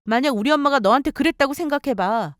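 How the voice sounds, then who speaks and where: Expressive woman narrating a story. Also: high voice, fast talker, no room sound, studio quality. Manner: expressive, sharp-tongued.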